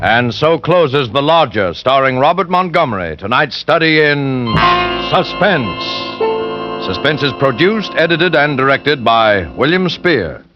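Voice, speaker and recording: A man announcing the show's close in a measured, lilting radio voice on an old broadcast. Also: mid-range voice, big pitch swings. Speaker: show announcer. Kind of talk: formal radio sign-off. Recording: dull 1940s radio recording. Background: loud music.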